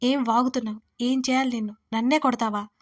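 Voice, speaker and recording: Woman doing angry bossy young guy, audio story, shouting demands, high-ish flat voice. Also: quick pace, recorded from a distance, close to an everyday voice. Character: angry domineering young man, hot-tempered.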